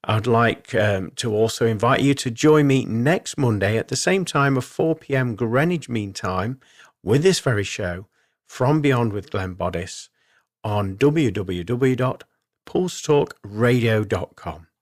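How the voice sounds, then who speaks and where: A man speaks as the host of a spiritual radio show. His voice sits at a middle pitch. He talks in a measured, semi-improvised way, with reassuring phrasing aimed at his listeners. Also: lively intonation.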